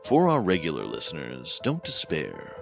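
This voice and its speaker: A man's voice: very deep voice, wildly swooping pitch, moderate pace, creaky, over music, heavily acted. A man playing a sinister, theatrical host of a mysterious horror broadcast, with grandiose, ominous emphasis. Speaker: host of horror anthology show. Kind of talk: theatrical scripted horror hosting.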